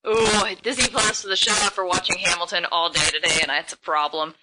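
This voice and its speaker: A woman co-hosting a podcast, chatting casually and rambling in quick bursts. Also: lowish voice, fairly even intonation, heavy background noise. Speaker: podcast co-host. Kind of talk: casual chat.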